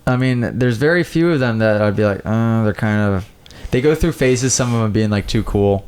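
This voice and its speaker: A man in casual podcast conversation, telling stories in an animated way and often saying "like". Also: lowish voice, moderate pace. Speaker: motocross rider and coach, podcast guest. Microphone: podcast microphone.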